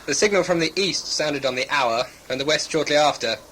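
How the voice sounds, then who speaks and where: An actor playing a hot-tempered, mocking tribal warrior with sneering, formal archaic speech in an audio drama. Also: male voice, on the high side, brisk, fairly bright tone, a little hiss or hum, lightly acted, rough recording. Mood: resentful.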